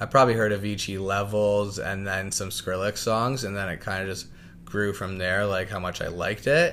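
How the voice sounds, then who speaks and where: Using a plain, everyday voice, a man with a Canadian accent talks at a fairly quick pace, his fairly low pitch held in fairly even intonation. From Ontario, Canada (Niagara region). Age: 20s. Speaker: music producer and DJ. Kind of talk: casual interview chat.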